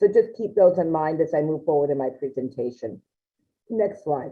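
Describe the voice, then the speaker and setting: With an American accent, a woman talks in a very deep, low pitch and lively intonation. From New York. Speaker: physician researcher. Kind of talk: conference presentation. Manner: fast.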